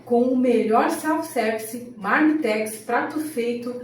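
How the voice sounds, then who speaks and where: Upbeat Brazilian woman reading ads, echoey and distant. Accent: Brazilian Portuguese. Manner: upbeat sales pitch with a drawn-out tagline. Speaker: podcast co-host reading sponsor ads. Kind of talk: scripted ad reading. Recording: roomy echo, distant from the mic, faint background noise.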